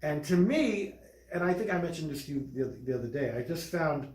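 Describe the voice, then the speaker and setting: A man talking casually about a film as a podcast co-host, emphatic and halting with restarts. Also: a little high, lively intonation, darkish tone. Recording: echoey, roomy recording.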